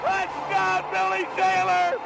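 Shouting archival radio sports announcer, man. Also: extremely high pitch, slow, gravelly, over a noisy crowd. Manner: shouting, excited countdown calls. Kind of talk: live football commentary. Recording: noisy archival radio broadcast.

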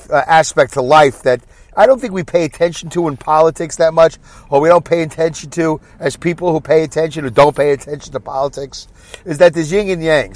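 Here a podcast host with a congested nose speaks in a fairly high voice, and the recording has no room sound. Driving in traffic, he rambles on alone, casual and self-mocking.

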